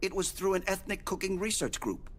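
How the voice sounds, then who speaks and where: An actor voicing a calm, friendly male studio boss in an anime dub. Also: high voice, fairly quick.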